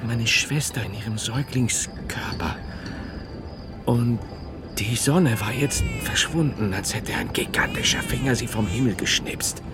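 An actor playing a grave medieval monk in an audio drama, telling his memories in a measured, poetic monologue. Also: mid-range voice, close to an everyday voice. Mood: grave, haunted. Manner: measured, fragmentary, poetic storytelling. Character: medieval Italian monk recalling his childhood, grave, haunted. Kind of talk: dramatic first-person monologue. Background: music.

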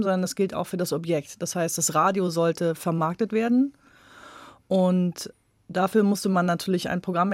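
A woman's voice: on the low side, a little mellow, no echo, clean studio sound. A woman speaking as an expert guest, explaining things emphatically in a spontaneous discussion. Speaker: expert guest in a radio interview.

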